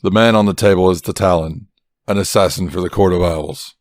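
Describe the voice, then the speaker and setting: A man's voice: low-pitched, brisk, no echo, clean studio sound, lightly acted. A man acting a grim, commanding masked vigilante detective in a radio drama, terse, stern and brooding. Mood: grim, analytical. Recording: music under the voice.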